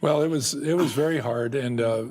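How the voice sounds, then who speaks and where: A middle-aged man answering interview questions about his work and family, speaking haltingly with frequent restarts and soft chuckles. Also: mid-range voice. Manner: halting, many restarts and repeated words; chuckles often. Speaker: guest, ministry director.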